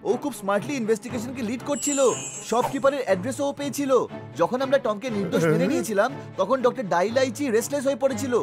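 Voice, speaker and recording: একজন কণ্ঠশিল্পীর দ্রুত কথা বলা বুদ্ধিমান কার্টুন চরিত্র. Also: female voice, a little high, lightly acted. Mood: explaining. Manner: fast, reasoning explanations. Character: clever cartoon hero leading an investigation. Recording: studio voice over loud music.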